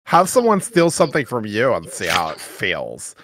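A man reading chat logs aloud for comedy, breaking into shrill mocking voices and laughing. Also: huge pitch swings, moderate pace, a bit bright, slight background noise.

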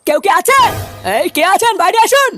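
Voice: very high-pitched, expressive, a little fast. An actor voicing a gullible, hot-tempered middle-aged father in a comedy cartoon, blustering and crude. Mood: furious. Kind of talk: Bengali comedy cartoon dub. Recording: music behind the voice.

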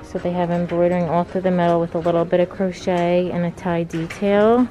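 Holding her phone camera, a young fashion vlogger narrates a casual trip through a clothing store, sprinkling in lots of "like." She speaks fairly quickly in a lowish, warm voice with a level tone, and the rough recording has background music playing over her.

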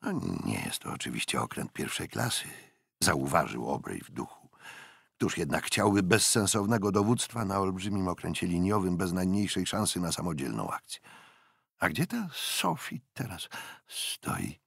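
A man voicing a hearty, boisterous young naval captain who talks loudly and jovially, with a low, husky, creaky voice that swings widely in pitch. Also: sing-song, normal speed, no room sound, studio quality, full character voice. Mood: musing. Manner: loud, jovial, breaks into laughter.

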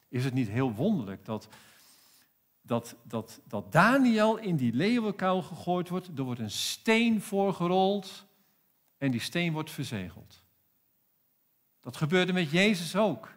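A male pastor with a South African accent and a voice on the high side preaches emphatically in a church, filling his sermon with rhetorical questions.

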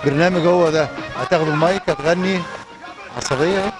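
A man's voice: a little high, a little fast, loud music behind the voice. A man with an Egyptian Arabic accent, hosting a talk show on location outdoors, upbeat and chatty. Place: outdoors by a fountain in a city square. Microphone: handheld microphone.

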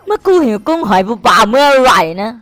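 A man giving excited, crude commentary while streaming a slot game, cursing and pleading at the screen. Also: very high-pitched, quick pace, no room sound, soft background music.

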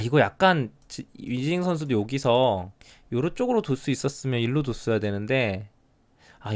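A middle-aged man commentating live on an online Go game. He mutters counts of territory quietly, then breaks out in lively surprised remarks. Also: medium pitch. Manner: counts territory under his breath, then exclaims at turns.

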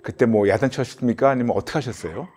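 Probing middle-aged pastor. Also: male voice, medium pitch, fast talker, a little mellow, husky, soft background music. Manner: probing, with frequent short acknowledgments. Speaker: pastor and host. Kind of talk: pastoral counseling interview. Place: dark studio set, seated in armchair.

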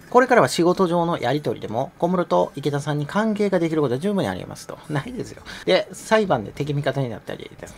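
A man's voice: a little high, slight background noise. A middle-aged man giving sarcastic, mocking commentary in a casual, conversational way.

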